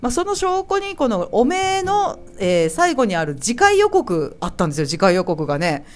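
Lively Kansai-accented woman chatting. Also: a little high, moderate pace. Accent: Kansai Japanese. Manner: chatty, laughs often, lively quoting of characters. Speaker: podcast host. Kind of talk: casual solo chat about anime.

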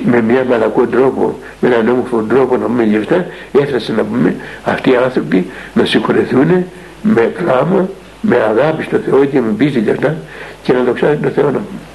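An older man with a gravelly, creaky voice at an ordinary middle pitch, speaking as a monastic elder. He tells a story earnestly in a radio interview, rambling along and often pausing on fillers and restarting his sentences. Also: darkish tone, poor audio. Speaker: monastic elder and spiritual father.

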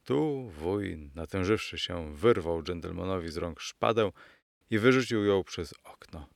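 A man narrating a story aloud in a scripted storytelling style, addressing his listeners as gentlemen. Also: deep voice, lively intonation, measured pace, vocal fry, no echo, clean studio sound. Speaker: audiobook narrator.

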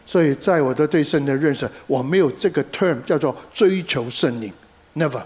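Animated male pastor preaching. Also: a little high, brisk. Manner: code-switches with English words, animated emphasis, storytelling asides. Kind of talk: sermon.

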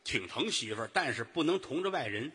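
A man doing comic crosstalk on a theater stage, a rapid teasing storyteller who delivers jokes deadpan. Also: mid-range voice, a little hiss or hum. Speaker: lead crosstalk comedian.

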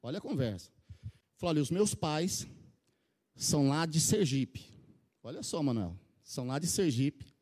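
A man's voice: a little high, very animated, moderate pace, pauses often, a little mellow. A middle-aged man gives a testimony in church, telling a story with animation and often turning to address the congregation. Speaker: church member giving testimony.

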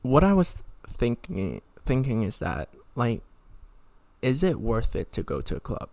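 A man's voice: medium pitch, wildly swooping pitch, measured pace, vocal fry, darkish tone, no echo. A young man from Hong Kong vlogging his opinions in a casual, rambling way, bluntly swearing and often rephrasing himself. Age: young adult.

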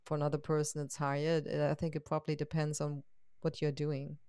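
A woman's voice: sits low, completely flat delivery, fairly quick, mellow, clean tone, no echo, clean studio sound. A woman from Germany with a German accent, speaking English as a second language and hosting a casual, conversational interview. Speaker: interview host, photographer.

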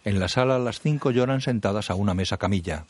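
A man reading scripted audio description of a film in a calm, neutral way. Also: fairly low pitch, fast, breathy edge. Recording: narration over noisy film soundtrack with crowd.

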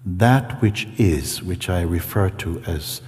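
A man from Jamaica with a Jamaican accent, a spiritual teacher leading a guided meditation in a soft, hushed voice that often sinks into whispers, in a room with other listeners. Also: deep voice, takes it slowly. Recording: reverberant hall with faint hiss.

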